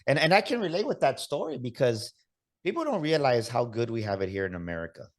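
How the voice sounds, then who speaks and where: A man hosting a motivational podcast, energetic and urging listeners to act. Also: mid-range voice, quick pace. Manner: energetic, hyped-up delivery with repeated calls to action. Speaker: podcast host.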